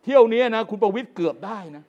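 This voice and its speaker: An older man in a political talk show, talking fast and high. He is animated, recites vote counts and repeats phrases for emphasis. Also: lo-fi sound. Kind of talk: casual political analysis chat.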